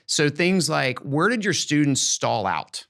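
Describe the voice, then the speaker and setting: A man's voice: fairly high pitch, very animated, unhurried, gravelly, a bit bright. A man hosting a podcast, chatting casually and giving encouraging, emphatic, folksy advice about teaching. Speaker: podcast host and education expert.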